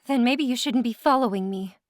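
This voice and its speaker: A defiant young heroine of a fantasy romance audiobook, acted by a woman. Her voice sits fairly high and sounds close and dry. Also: fairly quick, dry recording, lightly acted.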